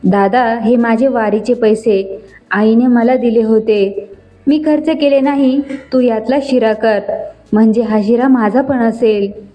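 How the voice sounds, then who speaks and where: A woman voicing a poor, gentle village boy of about seven, speaking softly and simply in a storybook tale. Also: fairly high pitch, fairly even intonation, unhurried, faint music behind, natural voice. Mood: tender.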